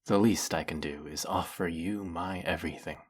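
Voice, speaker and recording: A man playing a flirty, fanatically devoted demon familiar in a dramatic audio roleplay, with fawning, formal diction and a breathy, husky voice. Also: low voice, moderate pace. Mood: reverent. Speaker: voice actor. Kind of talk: dramatic roleplay monologue spoken to the listener.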